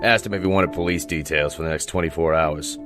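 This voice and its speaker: Low-voiced, weary police commissioner. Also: male voice, fairly even intonation, quick pace. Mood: wry, weary. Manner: dry, gruff, musing. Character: world-weary, sardonic older male police commissioner. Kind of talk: crime audio drama dialogue. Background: background music.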